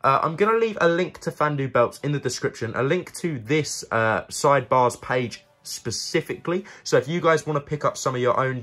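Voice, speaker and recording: A man's voice: mid-range voice, fairly bright tone, slightly rough. A young man hosting a casual, chatty video review, talking informally and directly to his viewers. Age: young adult. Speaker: YouTube host and product reviewer.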